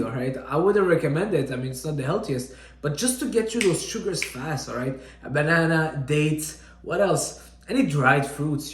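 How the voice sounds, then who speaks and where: Energetic fitness coach from Syria. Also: male voice, fairly high pitch, reverberant. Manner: energetic, repeats "all right?" often. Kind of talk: casual fitness advice to camera.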